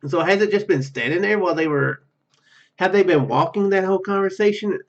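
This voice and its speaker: Higher-pitched man reading a game aloud, dull sound. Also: a little fast. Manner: stumbles over words while reading. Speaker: gaming video host. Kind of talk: let's play, reading story narration aloud with casual comments.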